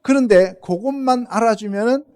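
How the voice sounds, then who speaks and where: Korean pastor with a high, dark voice. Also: male voice, moderate pace. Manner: rhetorical questions to the congregation; calls on the congregation directly. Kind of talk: sermon. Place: church sanctuary.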